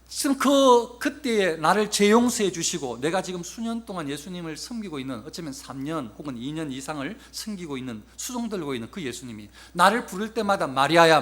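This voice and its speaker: A man's voice: sits high, a bit bright. A man preaching a sermon as a pastor, retelling a Bible story and acting out the quoted lines with rising emotion. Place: church sanctuary.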